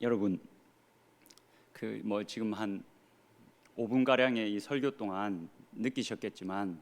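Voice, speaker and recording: At a measured pace and in a lowish voice, a thirty-something pastor from Gyeongsang, Korea, preaches with his regional accent. The sermon is earnest, laced with rhetorical questions and dry wit.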